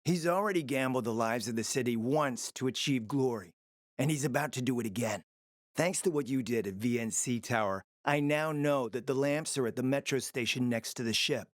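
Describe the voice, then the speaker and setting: A man's voice: mid-range voice, moderate pace, no echo, clean studio sound, natural voice. A man acting in a video game as a suave, scheming spymaster and black-market dealer, with a sly, urbane, theatrical delivery. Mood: grave, conspiratorial.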